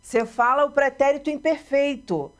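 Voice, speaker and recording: A woman's voice: high-pitched, normal speed. Chatty Brazilian woman host. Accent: Brazilian Portuguese. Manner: chatty, expressive, reacts with interjections. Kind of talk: interview talk.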